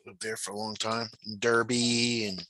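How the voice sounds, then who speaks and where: Bright, chatty man with a dry sound. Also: fairly low pitch, little pitch movement, normal speed, no echo, rough recording. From United States. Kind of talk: casual chat.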